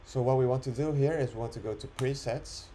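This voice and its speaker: A man talking through an unscripted screen-recorded software demo, explaining it step by step in an instructional way. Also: mid-range voice, fast, slight background noise. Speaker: software demonstrator.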